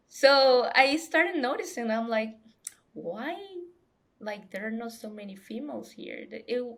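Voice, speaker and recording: Her pitch fairly high, a woman talks at a fairly slow pace with ordinary pitch variation. She speaks with a Spanish accent. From Colombia. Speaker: biomedical technician and YouTuber. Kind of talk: podcast interview. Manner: halting, many false starts.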